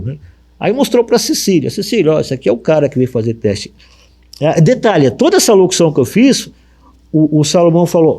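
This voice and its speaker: A man's voice: a little high, husky. A middle-aged man with a Brazilian Portuguese accent, a radio announcer telling stories in an interview, acting out the dialogue as he goes. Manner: lively anecdote telling, acts out dialogue, frequent tag questions. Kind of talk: storytelling in an interview.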